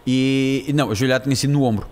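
A man's voice: mid-range voice, very fast. Man telling stories with animation. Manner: animated storyteller, repeats words while searching. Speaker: guest comedian. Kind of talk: casual chat, anecdote telling.

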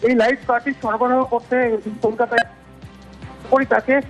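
A man's voice: very high voice, level tone, moderate pace, dull audio, soft background music. A male field reporter giving a live report with frequent hesitations and fillers.

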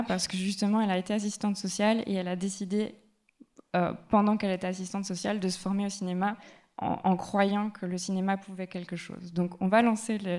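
A woman's voice: mid-range voice, a little mellow. A woman moderating a panel discussion, hesitant, with many filler sounds. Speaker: round-table moderator. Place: public library event room.

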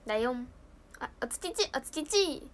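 A bubbly teenage girl with a lilt, chatting on a live stream and reading out viewer comments. Her voice sits very high, and she giggles often between lines. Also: very animated, normal speed. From Japan. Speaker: idol trainee streamer. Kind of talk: casual live stream chat.

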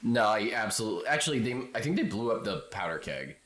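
A man's voice: on the low side, sing-song, fast, fairly bright tone. Joking young man playing a game. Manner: joking, swearing, goofy mock-pirate bits. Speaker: gamer. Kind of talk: casual co-op gameplay chat.

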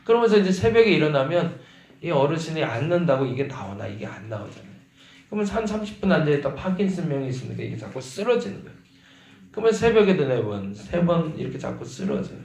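Animated male pastor in an echoing church. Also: on the high side, quick pace, creaky. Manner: conversational storytelling, acting out quoted voices. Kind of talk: dawn prayer sermon. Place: church sanctuary. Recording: roomy church echo.

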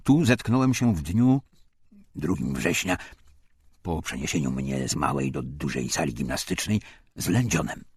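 A man narrates a scripted documentary memoir as an audiobook, his delivery measured, formal, and dramatic. His voice is deep and husky, and the recording is dry.

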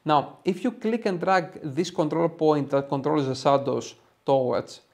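Greek-accented man, slightly high-pitched, teaching. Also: unhurried, creaky. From Greece. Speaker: photo editing tutorial host. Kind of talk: step-by-step tutorial narration to viewers. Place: small room, home studio.

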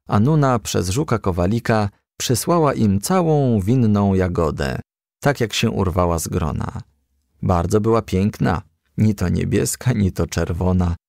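A man's voice: lowish voice, gravelly, a little mellow, no room sound, clean studio sound. A man reading a children's storybook aloud as a scripted narration. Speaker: audiobook reader.

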